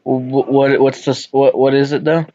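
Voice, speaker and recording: A man's voice: medium pitch, little pitch movement, normal speed, mellow, no room sound, highs cut off, natural voice. A man voicing a foul-mouthed angry caller who stammers and swears threats. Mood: confused.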